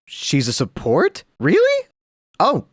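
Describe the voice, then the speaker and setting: A man's voice: a little high, wildly swooping pitch, takes it slowly, no room sound. A man hosting a scripted video game guide, casual and playful with sarcastic asides, on a close mic. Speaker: host of a gaming guide channel.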